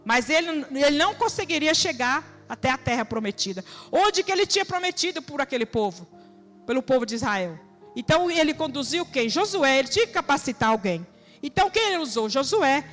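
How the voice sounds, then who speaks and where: A woman's voice: sits high, a bit bright. A woman from São preaching an earnest, exhorting sermon in church, full of rhetorical questions and plain everyday speech. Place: church hall. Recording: reverberant church hall with music.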